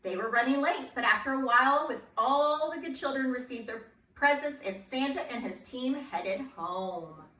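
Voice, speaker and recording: A woman reading a children's picture book aloud in a playful, expressive way, asking her young listeners questions. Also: high voice, moderate pace, echoey room, distant mic, poor audio.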